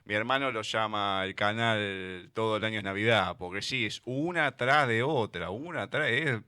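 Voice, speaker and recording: A man interviewing a guest, mostly giving short backchannel replies and chatting in relaxed asides. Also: lowish voice, normal speed, smooth, no echo. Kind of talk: casual chat.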